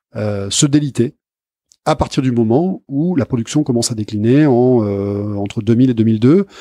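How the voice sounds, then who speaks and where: A man speaks at a medium pitch and a moderate pace with ordinary pitch variation, recorded with a dry, close sound with no echo against a quiet background. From France, Landes (southwest). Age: 40s. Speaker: journalist and think tank director. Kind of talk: podcast interview. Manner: halting, many repetitions and hesitations.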